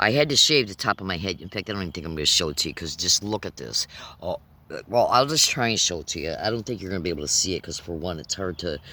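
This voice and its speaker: Very deep, low male speech at a very fast pace, animated in tone, bright and sharp, with lively intonation. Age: 60s. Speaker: video blogger. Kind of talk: casual monologue to camera. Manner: halting, repetitive.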